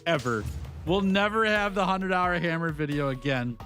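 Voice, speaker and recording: A man's voice: a little high, expressive, moderate pace, bright, forceful tone, faint music behind. A man live-streaming a video game, chatting casually with his viewers, joking and laughing often as he reads their messages aloud. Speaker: gaming streamer.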